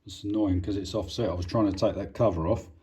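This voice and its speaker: A man's voice: fairly low pitch, steady tone, quick pace, dark tone. A British man giving a casual hands-on repair demonstration, informal and a bit hesitant as he thinks aloud while working. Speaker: hobbyist presenter of an electronics repair.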